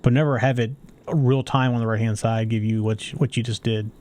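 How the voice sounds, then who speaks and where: A man's voice: mid-range voice, steady tone, a little fast, a little mellow. A man co-hosting a casual tech chat, talking in a chatty way with rambling restarts. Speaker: co-host.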